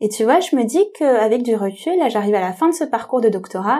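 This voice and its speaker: A woman's high voice, dark and mellow in tone, with lively intonation at a moderate pace, in a very clean recording with a silent background. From France, Tamil heritage. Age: 30s. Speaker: psychologist and PhD student. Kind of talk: interview conversation. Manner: casual, with many fillers.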